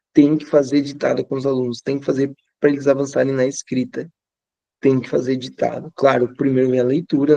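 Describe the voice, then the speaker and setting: A warm, mid-range male voice with vocal fry and no echo belongs to a teacher with a Brazilian Portuguese accent. He gives casual teaching tips to other teachers, repeating phrases for emphasis.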